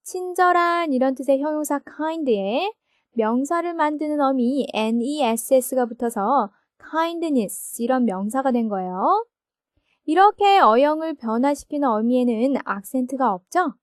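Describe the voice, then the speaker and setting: A woman teaching English grammar in a recorded textbook lesson, explaining slowly and checking each point with her listeners. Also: high voice, expressive, dry recording, studio quality. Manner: slow, explanatory, asks confirming questions.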